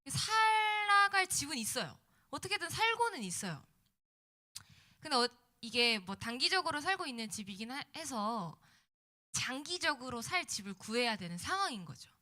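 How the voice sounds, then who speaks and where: High, bright-voiced woman preacher, slightly slurred after wisdom teeth. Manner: conversational, checking in with young listeners. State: mouth swollen after wisdom tooth removal. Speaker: youth pastor preaching to middle schoolers. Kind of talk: sermon.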